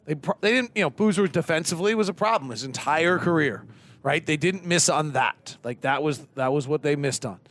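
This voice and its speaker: A man's voice: fairly high pitch, fairly quick. A man co-hosting a postgame sports radio show, breaking down the game and telling jokes and stories in a studio. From California. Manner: animated, joking, storytelling. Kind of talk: postgame analysis chat. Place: closed studio near an arena.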